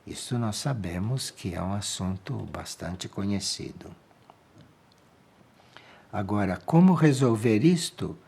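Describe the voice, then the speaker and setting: A man with a Brazilian Portuguese accent giving a calm spiritual talk, answering listeners' questions in a measured way and repeating key phrases for emphasis. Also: fairly low pitch, gravelly, a little hiss or hum.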